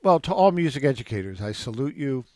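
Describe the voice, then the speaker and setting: Casting: male jazz teacher, mid-pitched, thoughtful anecdotes, halting restarts. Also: very animated, darkish tone, no room sound, clean studio sound. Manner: reflective storyteller with frequent restarts. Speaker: jazz drummer and music educator. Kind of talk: interview answers.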